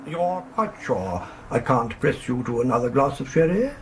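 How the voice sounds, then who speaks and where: A man's voice: medium pitch, very animated, moderate pace, lightly acted. A man acting a fussy, middle-aged solicitor in a radio play, speaking formally and hesitantly. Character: fussy, hesitant English male country solicitor. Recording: faintly noisy 1980s radio drama recording.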